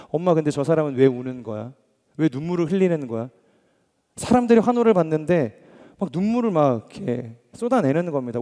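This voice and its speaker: A man preaching a sermon, earnest, asking the congregation questions and swinging from emphatic peaks to soft low asides. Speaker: pastor. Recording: long hall reverb.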